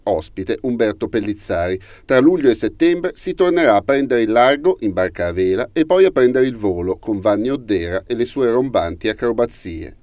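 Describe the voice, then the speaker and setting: Man reading a news feature, dark tone. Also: mid-range voice, dry recording. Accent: Italian. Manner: ornate, measured reading. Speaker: news narrator. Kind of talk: scripted news voice-over.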